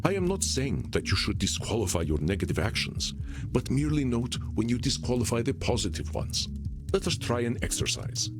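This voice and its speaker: An actor playing an ancient, powerful vampire mentor in a video game, solemn and kindly, with formal, measured, eloquent phrasing. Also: male voice, medium pitch, sing-song, lightly acted. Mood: gentle, wise. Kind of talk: visual novel game voice acting. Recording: music playing behind the voice.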